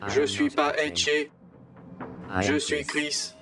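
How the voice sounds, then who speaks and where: A man's voice: fairly high pitch, completely flat delivery, very slow, music in the background. A shy man speaking through a robotic voice changer on a video call, giving short, guarded replies. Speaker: online contact on a video call.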